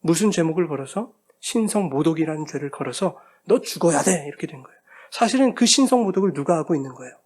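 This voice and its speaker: High-voiced male pastor preaching. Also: animated, fast talker, darkish tone. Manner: emphatic, rhetorical questions to the congregation. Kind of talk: sermon.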